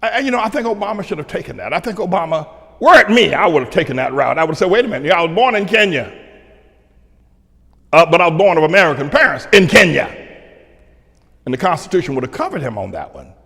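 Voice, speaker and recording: An older man from North Carolina with a Southern accent, a pastor preaching commentary, dropping to quiet asides and then rising to shouted declarations with chuckles between. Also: sing-song, quick pace, creaky. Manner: swings from low asides to shouted outbursts, chuckling. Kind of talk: preaching commentary to a broadcast audience. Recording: long hall reverb.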